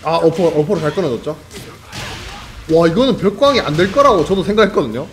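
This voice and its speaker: Excitable man calling a fighting match. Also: a little high, soft background music. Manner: excitable, chatty, jokes with viewers, quick reactions. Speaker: esports commentator. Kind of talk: live fighting game commentary.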